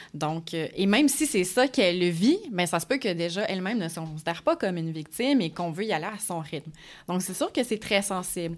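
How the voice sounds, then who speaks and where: A woman at medium pitch with an unremarkable speaking voice, lively intonation and a fairly quick pace, on a very clean recording with a silent background. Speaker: sexologist. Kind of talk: interview.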